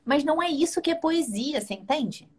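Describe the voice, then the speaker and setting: A woman's voice: sits high, expressive, brisk. A woman with a Brazilian accent, a guest in a casual interview who talks at length and keeps checking that the listener is following. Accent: Brazilian Portuguese.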